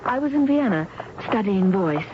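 A guarded, anxious young woman played by a radio actress speaks in a formal, reserved way. It is period radio drama from the 1970s, dull in sound with clear background noise. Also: medium pitch, expressive, moderate pace, natural voice. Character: anxious, reserved young woman, turn-of-the-century music student. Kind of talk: 1970s radio drama acting, first-person narration and dialogue. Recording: dull, noisy old radio recording.

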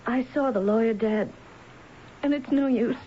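Casting: woman playing anxious, trapped young wife, high voice, pleading radio-drama delivery, muffled noisy broadcast. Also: normal speed, natural voice. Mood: fearful, resigned. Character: frightened, trapped young wife, Anna, fleeing violent husband.

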